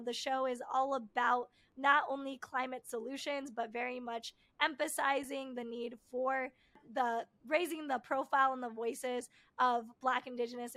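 A bubbly woman hosts an interview podcast, her voice sitting high. She talks with eager enthusiasm, peppered with "you know" fillers. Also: fairly bright tone. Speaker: podcast host.

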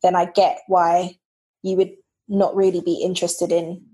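A woman's voice: on the low side, flat delivery, normal speed, mellow. A woman co-hosting a podcast, chatting casually with friends, full of fillers and restarts. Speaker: podcast co-host. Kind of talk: casual chat.

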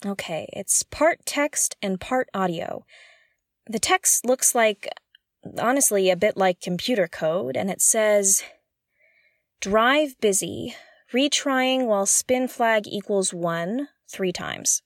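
A woman's voice: mid-range voice, expressive, takes it slowly, no echo. Actress doing jittery lady space explorer muttering to herself, audio drama, takes her time, really dry close sound. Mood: intent, puzzled. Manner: hesitant, exclamatory, muttering to herself. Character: curious, jittery woman explorer alone aboard a derelict spaceship. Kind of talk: audio drama monologue, thinking aloud.

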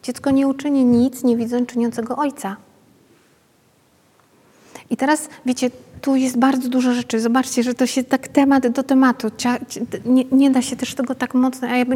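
High-pitched lady running a parenting workshop, chatty, keeps checking in with the group, long hall reverb. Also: flat delivery, moderate pace, mellow, slightly rough. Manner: chatty, often adds tag questions to check in with listeners. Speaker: pedagogue leading a parenting workshop. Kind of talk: informal workshop talk to a group.

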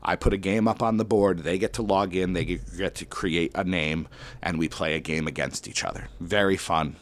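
A man, a schoolteacher, telling a personal story to an audience in an animated way, with sudden loud bursts and slow dramatic drops. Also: low-pitched. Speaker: elementary school teacher.

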